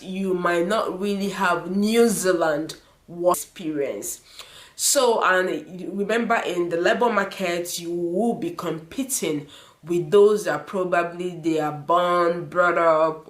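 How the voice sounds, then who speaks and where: Slow-talking woman vlogger, echoey room. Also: on the low side. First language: not English. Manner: earnest, repeats herself, many um fillers. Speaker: immigration vlogger. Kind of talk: advice vlog to the camera.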